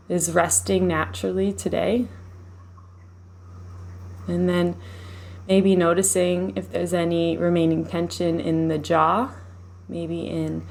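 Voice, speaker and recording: A woman leading a live guided meditation in a soothing, unhurried, gently instructive manner. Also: on the low side, gravelly.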